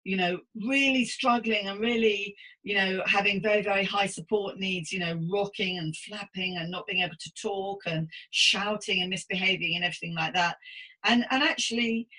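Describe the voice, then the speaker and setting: A woman's voice: mid-range voice, normal speed, pushed and bright, rough recording. A middle-aged British woman hosting a casual interview podcast, chatting in a rambling, self-deprecating way. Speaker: podcast host.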